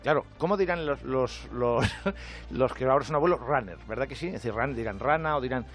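On the radio, a Spanish man with a Spain accent and medium-pitched voice delivers a brisk, sarcastic comic monologue over faint music. The comedian jokes and mimics other voices.

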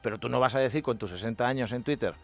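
A man from Spain with a Spanish accent, delivering an animated, jokey comic monologue on a radio show. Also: medium pitch, racing, gravelly. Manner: animated, jokey, acts out quoted voices. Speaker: comedian with a radio segment. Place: radio studio.

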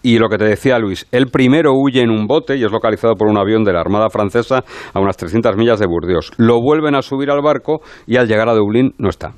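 A man's voice: on the low side, fast, a little mellow, dry recording. A man reporting on a criminal case, laying out facts and dates methodically.

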